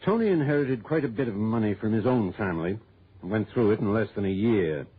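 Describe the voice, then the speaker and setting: A man's voice: fairly low pitch, expressive, a little fast, breathy edge. An actor playing an opinionated, folksy male client who insists on his suspicions, in 1960s radio drama style. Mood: insistent. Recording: tinny old radio broadcast.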